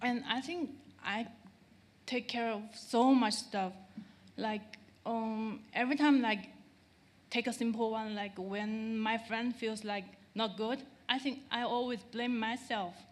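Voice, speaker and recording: A woman's fairly high, somewhat breathy voice at a fairly slow pace, with fairly even intonation and long, frequent pauses. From Lhasa, Tibet. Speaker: audience member asking a question. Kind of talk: audience Q&A. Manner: halting, many fillers.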